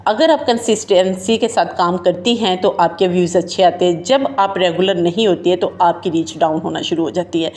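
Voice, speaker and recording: A woman's voice: fairly low pitch, steady tone, hardly any pauses, a little mellow. A woman giving a casual, heartfelt talk straight to her listeners, whom she calls her sisters and friends. She speaks in a loose conversational flow and often leans on the filler "jo hai na". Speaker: motivational talk host.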